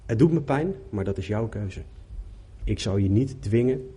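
A man's voice: on the low side, expressive, moderate pace, dark tone, husky. A man voicing God as a loving, grieved figure who pleads earnestly in a sermon. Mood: tender.

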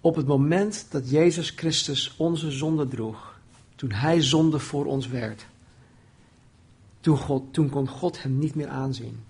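A man preaching a sermon, often raising his voice when quoting pleas and dropping low and quiet on solemn points. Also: takes it slowly, husky. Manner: animated, voices the prophet's pleading with rising pitch.

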